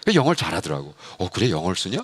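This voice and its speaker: A middle-aged man, a pastor and missionary, preaching a sermon in an animated storytelling way, acting out dialogue and sometimes shouting. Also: deep voice, racing, breathy edge.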